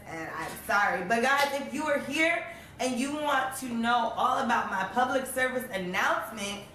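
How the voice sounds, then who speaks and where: A young woman talks through a hoarse, raspy throat in a loose, rambling vlog style, sprinkling "like" through her sentences. Her voice sits some way back from the mic and rings around a very echoey room. A faint hiss of noise stays underneath. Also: mid-range voice, pushed and bright, recorded from a distance. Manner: chatty and rambling, full of "like". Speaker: motivational vlogger. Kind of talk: casual motivational vlog talk.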